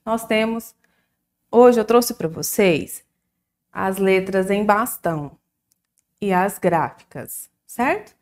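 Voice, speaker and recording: A woman teacher with a Brazilian accent giving a recorded lesson to young children, slow and sing-song, drawing out syllables. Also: mid-range voice, animated, a little mellow. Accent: Brazilian Portuguese.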